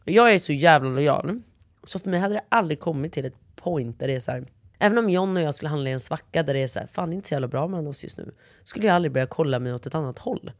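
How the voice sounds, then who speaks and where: A woman's voice: low-pitched, animated, no room sound. A woman co-hosting a podcast in casual chat, blunt and joking, with frequent swearing. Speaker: podcast co-host.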